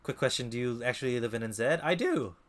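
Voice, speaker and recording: A man in his twenties with an American accent, chatting casually while streaming a game, relaxed and swearing now and then. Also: mid-range voice, quick pace, slight background noise. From Philippines. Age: 20s. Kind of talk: casual let's-play commentary.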